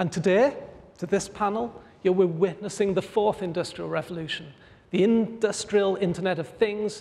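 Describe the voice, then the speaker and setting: With an English accent, a man speaks at a moderate pace. His voice is high-pitched, his intonation fairly even. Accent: English accent, noticeable. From northern England. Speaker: panel moderator. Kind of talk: panel introduction speech.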